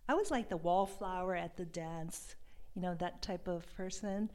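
A woman from Hawaii, a love and sexuality coach, talking in a soft, hesitant and reflective way as an interview guest. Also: lowish voice, moderate pace. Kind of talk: podcast interview.

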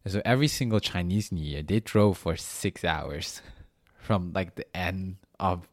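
Deep-voiced Malaysian man, rambling chat. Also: measured pace, no room sound, studio quality. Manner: rambling, many restarts and "like"s. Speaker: podcast host. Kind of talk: casual chat.

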